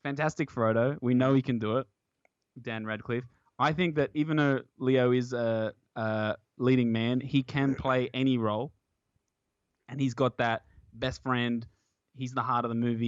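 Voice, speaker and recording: Excitable man on a Skype call. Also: mid-range voice, dry recording. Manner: excitable, swears freely, laughs often. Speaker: podcast panelist. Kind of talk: casual podcast banter. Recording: dry, dull Skype call audio.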